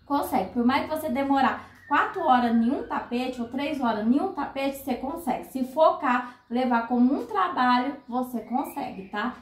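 A high-pitched Brazilian woman in her thirties chats to her crochet viewers, telling a personal story with lots of feeling. Her voice rings out in an echoey room. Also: expressive, normal speed, few pauses. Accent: Brazilian Portuguese. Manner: chatty, emotional, addresses viewers as girls. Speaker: crochet channel host.

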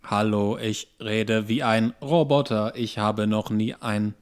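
A man putting on a stiff, slow, robot-like monotone to mimic a wooden male understudy actor. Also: fairly low pitch, clean tone. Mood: mocking. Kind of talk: mocking impression in casual chat.

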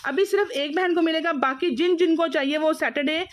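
Pakistani female live seller, high voice, overeager teleshopping pitch full of repeats and exclamations. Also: brisk. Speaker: live online clothing seller.

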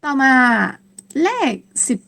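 A woman teaching a lesson on German numbers, speaking slowly and patiently and repeating each word several times. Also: fairly bright tone. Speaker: language teacher.

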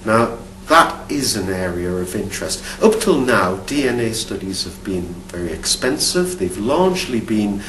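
A middle-aged Geordie man speaks in a lowish voice, answering interview questions about his field with thoughtful pauses and repeated false starts. He sits in a studio with a dark backdrop, caught by a mic set some distance away. The sound is roomy and carries a faint hum. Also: very animated. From Newcastle upon Tyne, England. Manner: thoughtful, many restarts and repeated words. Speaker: archaeology professor.

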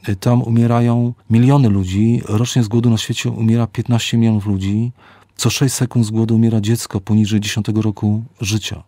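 A middle-aged man, an author and psychologist, giving reflective, measured interview answers and slowing down to stress key words. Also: fairly low pitch, little pitch movement, warm tone, no room sound, clean studio sound.

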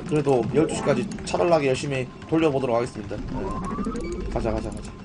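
A man's voice: mid-range voice, wildly swooping pitch, a little fast, noisy background. A man with a strained throat hosting a gaming live stream, chatting informally and often putting questions to his viewers. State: strained throat, voice in poor condition. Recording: music playing behind the voice. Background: music, keyboard typing.

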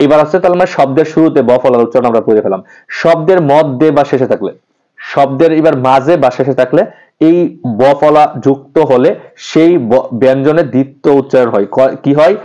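A man's voice: mid-range voice, fairly quick, warm tone. A male teacher hurries through an exam-prep grammar lesson, saying each example word over and over and quizzing the class before answering himself. He tosses English words into his speech, and the recording sounds dull and lo-fi. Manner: repeats example words aloud, asks and answers his own questions; casually mixes in English words.

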